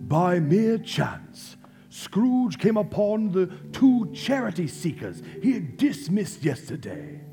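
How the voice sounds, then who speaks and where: A man acts as a storybook narrator for a stage radio play, with a high, very animated voice. He takes his time and pauses for drama, and faint music sits behind him. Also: full character voice. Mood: wry, storytelling. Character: storybook narrator of a Victorian Christmas tale. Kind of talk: scripted theatrical storytelling. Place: theatre stage before a live audience. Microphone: shared stage microphone. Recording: live stage recording with music.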